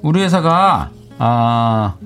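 A man's voice: medium pitch, lively intonation, drawn-out words, a bit bright, faint music behind. An actor playing blunt, self-important middle-aged male teachers and bosses, hesitant with many fillers and repeats. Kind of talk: TV reenactment acting.

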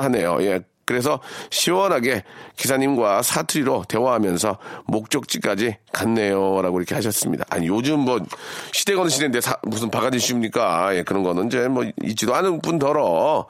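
A man's voice: medium pitch, no echo, studio quality. A man hosting a radio show, chatting playfully and straight to listeners while reading out their messages. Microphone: studio microphone.

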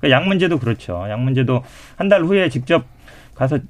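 Fast-talking man giving a defensive rebuttal. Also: mid-range voice, expressive, no room sound. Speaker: party spokesman. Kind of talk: political debate.

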